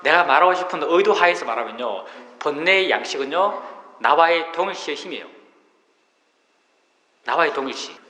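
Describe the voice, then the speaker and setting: A man's voice: fairly high pitch, expressive, normal speed, long pauses, bright, forceful tone. A middle-aged man, a Buddhist monk giving a dharma talk to meditators, explaining patiently and asking rhetorical questions. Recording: roomy hall reverb.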